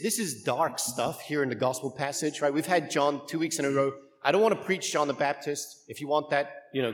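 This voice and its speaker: A man speaking as a Catholic priest, delivering scripture and preaching to a congregation in church. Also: on the high side. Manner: jokey, rambling, conversational asides to the congregation. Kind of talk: Gospel reading and informal homily.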